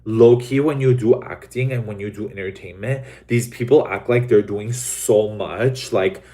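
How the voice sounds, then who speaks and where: This livestream host, a young man from Los Angeles, USA, talks casually to his live audience in a rambling way, with plenty of "like" and "um" fillers and blunt swearing. He speaks unhurriedly in a dark voice that sits on the low side.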